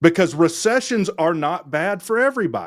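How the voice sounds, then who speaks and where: This man speaks with an American accent. Vocal fry runs through his voice. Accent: redneck. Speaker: livestream host. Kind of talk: casual chat. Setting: livestream.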